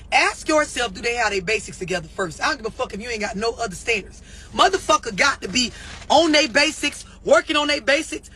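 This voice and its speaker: A man's voice: very high-pitched, bright, forceful tone, a little hiss or hum. A man giving a profane, preachy self-help rant on a live stream, blunt and emphatic, often repeating himself for effect. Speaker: self-help motivational speaker.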